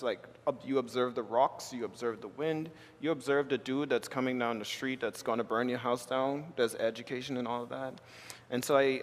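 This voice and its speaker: A man from the Bahamas, an artist giving a keynote talk, speaking thoughtfully and restarting his phrases often in a live conversation. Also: medium pitch. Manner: thoughtful, halting with repeated restarts. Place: lecture hall with audience. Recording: reverberant hall.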